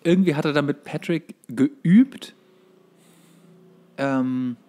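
A man's voice: a little high, slow pace, warm tone. Laid-out casual chat from a man. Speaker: podcast co-host. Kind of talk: casual chat between friends.

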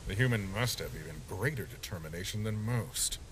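A man voicing a sly, teasing skeleton sentry monster with a gruff streak and smug pet names, in a comic dub. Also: on the low side, animated, fairly quick, noisy background, natural voice. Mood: wary muttering. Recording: music playing behind.

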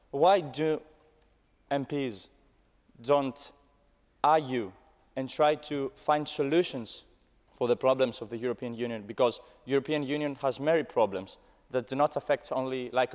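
A man's voice: medium pitch, a little slow, darkish tone. Emphatic young Greek man in echoey hall. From Greece. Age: young adult. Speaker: student audience questioner. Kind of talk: opinionated speech from the floor. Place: large parliament chamber. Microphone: desk microphone, standing. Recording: echoey large hall, long reverb.

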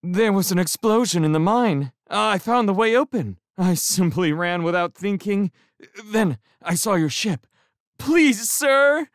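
A man voicing an escaped prisoner who begs plaintively in a high, wailing voice. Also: expressive, measured pace, no echo, clean studio sound. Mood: pleading. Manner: high pleading wail.

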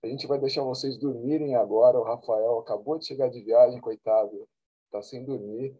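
A man hosting a webinar interview, wrapping up with relaxed, friendly closing remarks over a video call. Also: mid-range voice, normal speed, husky, rough recording. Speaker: host.

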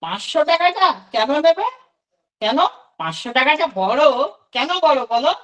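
A woman with a high voice gives a demo lesson to children. She asks the class a question and then answers it herself. She sits a little back from the mic. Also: very animated, moderate pace, a bit bright, far from the mic, poor audio. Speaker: teacher giving a demo class.

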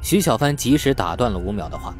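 A man's voice: mid-range voice, sing-song, fast talker, faint music behind. A man reading scripted novel narration as an audiobook narrator.

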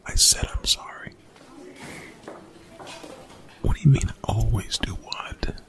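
A man playing a young college bully in an ASMR roleplay, gruff, defensive and grudgingly apologetic, in hushed, breathy, exasperated slang with swearing. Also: wildly swooping pitch, moderate pace. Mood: pleading, flustered. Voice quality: whispered, breathy, gravelly low voice.

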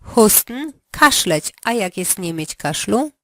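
Slow, clear teaching woman. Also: mid-range voice, big pitch swings, no room sound, studio quality. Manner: slow, carefully articulated prompting. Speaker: language teacher. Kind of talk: language lesson drills.

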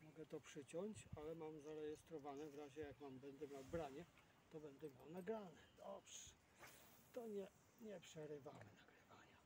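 Outdoors at a windy fishing spot, a fishing vlogger talks casually to himself in short, rambling fragments. His voice is on the high side at a moderate pace, and the recording is noisy, with him far from the mic.

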